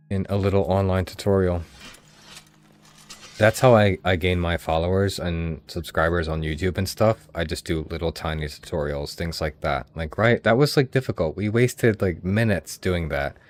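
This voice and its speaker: Man, from the US, casual game commentary, chatty, swears, very deep voice. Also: moderate pace, soft background music. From United States. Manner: chatty, swears freely, talks to viewers. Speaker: game streamer.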